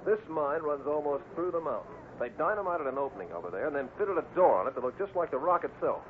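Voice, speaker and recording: A man's voice: fairly high pitch, lively intonation, close to an everyday voice. Man playing a commanding cowboy hero, tinny radio. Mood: triumphant. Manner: brisk, decisive, folksy. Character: commanding, steady cowboy ranch foreman hero. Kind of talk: 1950s radio Western acting. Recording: noisy, tinny old radio recording.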